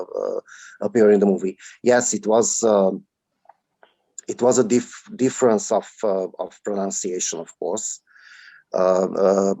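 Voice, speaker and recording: A man, a native Hungarian speaker and actor, answering slowly in a webinar interview over a video call, with many drawn-out fillers. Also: fairly low pitch, mellow, dry recording. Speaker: film actor, guest.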